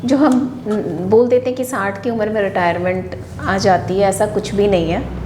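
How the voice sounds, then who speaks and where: A woman's voice: medium pitch, steady tone, moderate pace. A woman hosting an interview, summing up what her guest says and asking curious follow-up questions. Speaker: host. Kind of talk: conversational interview. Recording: echoey room with faint noise.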